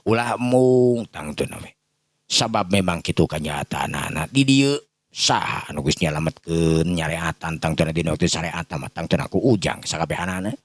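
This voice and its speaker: A man voicing a respectful village uncle in a folk story, halting and repetitive as he pleads deferentially, with a Sundanese accent. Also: deep voice, big pitch swings, no room sound, clean studio sound, full character voice. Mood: earnest, respectful.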